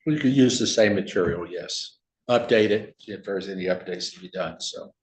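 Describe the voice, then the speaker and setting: A man's voice: sits low, normal speed, slight background noise. A man speaking informally at a public meeting, often trailing off with "so" and "you know.". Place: county meeting room. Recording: echoey room.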